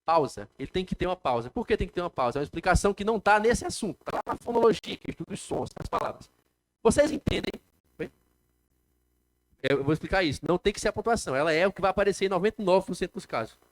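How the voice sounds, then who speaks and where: A man's voice: high voice, lively intonation, very fast, background noise. Brazilian man lecturing a class. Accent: Brazilian Portuguese. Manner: explains step by step, asks the class questions. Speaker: teacher. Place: classroom with students.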